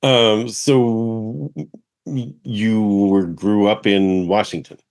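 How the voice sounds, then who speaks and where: A man's voice: on the low side, fairly even intonation, extremely slow, a little mellow. A middle-aged man hosting a podcast interview, enthusiastic and encouraging, echoing his guest's points with affirmations. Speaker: podcast host. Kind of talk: casual interview conversation.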